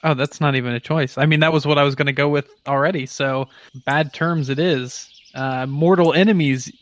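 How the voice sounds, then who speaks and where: A man's voice: fairly high pitch, steady tone, brisk. A man improvising a story casually as a player in a tabletop roleplaying game.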